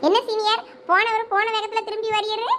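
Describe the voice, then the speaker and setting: A woman's voice: very high voice, little pitch movement, a bit bright, slight background noise. A woman voicing a chatty, teasing village girl. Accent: Thoothukudi Tamil. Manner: nosy, fast-talking, teasing. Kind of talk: cartoon voice acting.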